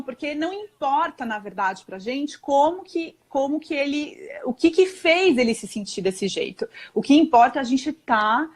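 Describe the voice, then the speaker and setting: Chatty Brazilian woman, bright higher voice. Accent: Brazilian Portuguese. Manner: chatty, peppered with tag questions and quick self-corrections. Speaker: parenting guest on a live stream. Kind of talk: casual explanatory chat.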